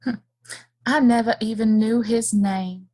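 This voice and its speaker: A woman's voice: a little high, fairly even intonation, unhurried, warm tone. An actress playing a wistful, tender frontier woman in a Western audio play, earnest and searching in her delivery.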